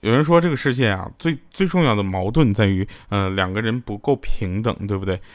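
A man's voice: on the low side, a little fast, faint music behind. A man performing a stand-up comedy monologue, telling jokes with playful asides. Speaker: comedian and sponsor spokesman.

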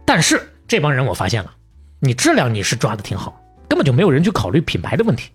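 A man with a Beijing accent hosting a podcast, telling stories in a lively, colloquial, folksy conversational way. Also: mid-range voice, quick pace, breathy edge, faint music behind. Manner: colloquial and folksy, with proverbs and acted-out asides. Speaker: podcast host.

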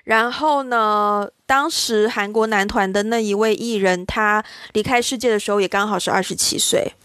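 A woman's voice: medium pitch, moderate pace, a bit bright, clean tone, no room sound. A woman chats reflectively as a podcast co-host. The sound is close and dry, and her talk is casual and conversational.

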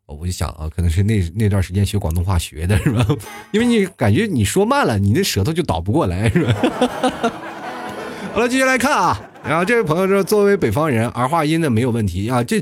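A man hosting a comedic talk show, reading listener messages and riffing on dialects in a chatty, quick style with frequent tag questions. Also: medium pitch, husky, dry recording, clean studio sound. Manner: chatty, fast, animated, frequent "是吧" tags and chuckles.

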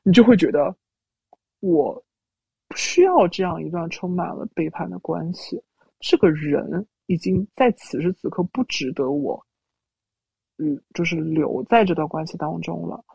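Woman with a voice changer, gravelly. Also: on the low side, lively intonation, normal speed, dark tone, no echo. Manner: recounts events, quoting her own words. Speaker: interview guest. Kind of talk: personal storytelling. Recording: dull lo-fi audio.

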